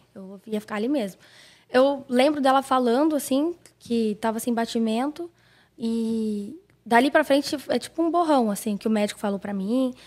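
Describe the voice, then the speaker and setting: Speech at a moderate pace over a quiet background. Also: woman, high pitch for a woman, ordinary pitch variation. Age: 20s. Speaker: real estate agent and social media influencer; podcast guest. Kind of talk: casual interview, personal testimony. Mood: sad, emotional recollection of loss. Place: studio. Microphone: studio mic.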